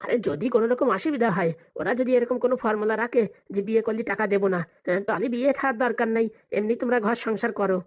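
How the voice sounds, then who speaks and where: A woman's voice: on the high side, close to an everyday voice. A woman voicing a scheming, money-hungry village father in a comedy cartoon, scolding and bantering. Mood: scheming, pleased. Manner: rapid, colloquial, bantering scolding.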